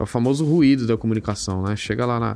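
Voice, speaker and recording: This man speaks at medium pitch with ordinary pitch variation and a calm tone. Music plays in the background. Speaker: franchise founder and author. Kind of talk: interview conversation. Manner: calm, even tone.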